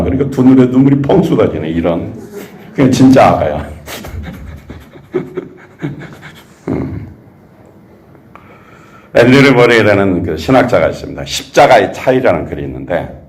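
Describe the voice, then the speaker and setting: A man's voice: lowish voice, darkish tone. A male pastor from South Korea preaching a sermon, asking the congregation rhetorical questions. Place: church sanctuary. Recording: echoey church sanctuary.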